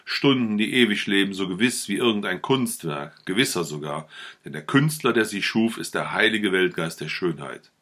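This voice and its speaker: A man's voice: deep voice, expressive, moderate pace, pushed and bright, heavily acted. A man reading aloud the lines of a passionate, touchy young idealist in a novel, speaking fervently. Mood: fervent, indignant. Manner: fervent, indignant.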